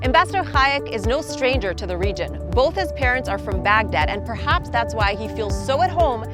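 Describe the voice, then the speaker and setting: A woman's voice: a little high, very animated, normal speed, loud music behind the voice. A woman interviewing a guest for a news outlet, with a poised scripted introduction and direct questions.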